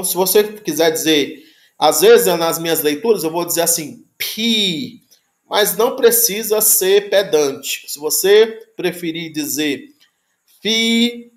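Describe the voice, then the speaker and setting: A man's voice: high voice, reverberant. A man teaching Greek pronunciation in a lecture, patiently repeating sounds and checking that students follow.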